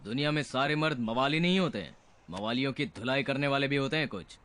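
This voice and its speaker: A man playing a righteous young hero in a dubbed film who lectures onlookers and warns off bullies, over loud film music. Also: mid-range voice, fast, natural voice. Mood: calm. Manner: preachy, scolding speeches. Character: righteous young male hero, bold protector. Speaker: hero who rebukes onlookers and defends a woman.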